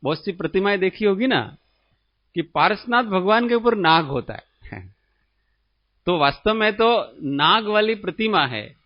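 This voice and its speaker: Indian man teaching in a high voice. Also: expressive, no echo, lo-fi sound. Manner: slow, explanatory, asks the listeners questions. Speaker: spiritual teacher. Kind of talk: religious discourse.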